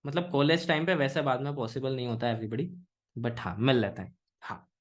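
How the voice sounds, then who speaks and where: A man from India teaching English in a live online class, mixing Hindi and English, often asking students questions and slowing down on example sentences. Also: medium pitch. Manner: Hinglish, engaging students with questions; slow, pausing model sentences.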